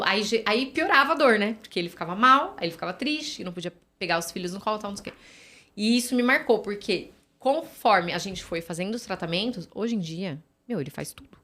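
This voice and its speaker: A woman talks as a guest on a podcast. She is a physiotherapist, and she tells long stories in a loose, chatty way, full of fillers and little tag questions. Her pitch sits in the middle range. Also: fairly bright tone. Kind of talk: casual podcast conversation.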